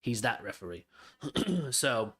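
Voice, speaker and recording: A man's medium-pitched voice is very animated yet slow, a bit bright with a breathy edge. He hosts a live football watchalong, giving blunt, profanity-laced match commentary and rants.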